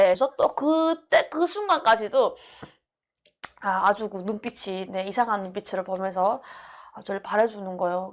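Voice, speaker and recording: A woman from North Korea telling her defection story in an earnest, emotional monologue with many fillers. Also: medium pitch.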